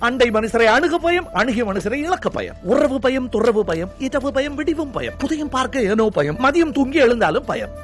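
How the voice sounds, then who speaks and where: An actor playing a timid man with a Sri Lankan Tamil accent who is afraid of everything, reeling off his fears to a doctor in rapid rhyming lists. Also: very high-pitched, very animated, faint music behind. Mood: anxious listing. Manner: rapid rhyming list-like recitation, nervous. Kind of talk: film comedy acting.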